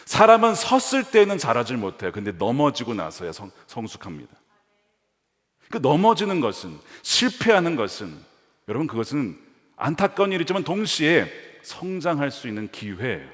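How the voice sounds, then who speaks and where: A man preaching a sermon as pastor, asking the congregation rhetorical questions and swinging between emphatic lines and hushed ones. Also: mid-range voice, huge pitch swings, normal speed. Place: large church sanctuary. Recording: long hall reverb of a church.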